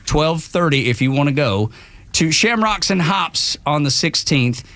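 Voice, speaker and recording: Upbeat laughing radio co-host, dry studio. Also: male voice, fairly high pitch, animated, measured pace, fairly bright tone, dry recording. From Georgia. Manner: laughs often, upbeat and reacting. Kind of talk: casual morning radio banter. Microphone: studio microphone.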